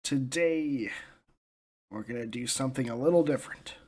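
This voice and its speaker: A man's voice: mid-range voice, moderate pace, darkish tone. An American man hosting a scripted religious commentary, speaking in a solemn, emphatic and declarative manner. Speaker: host of a religious commentary channel.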